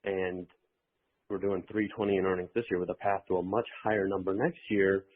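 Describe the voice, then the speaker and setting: A man's voice: low-pitched, little pitch movement, fairly quick. A man calling in as an investor, giving informal financial commentary and advice in a conversational way. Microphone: telephone. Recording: tinny telephone line.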